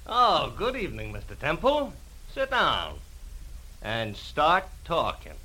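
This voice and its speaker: An exasperated American police lieutenant in an old radio drama. His pitch jumps around as he interjects, skeptical and by the book, over a faintly noisy 1940s recording. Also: wildly swooping pitch, slow, full character voice. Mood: businesslike.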